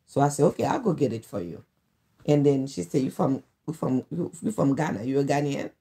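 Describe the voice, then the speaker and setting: A woman's voice: a bass voice, animated, brisk, warm tone, breathy edge. A woman from Haiti with a Haitian accent, chatting as a guest and telling stories with laughter in simple English. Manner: laughs while telling anecdotes, plain broken English. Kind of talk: casual conversation, storytelling.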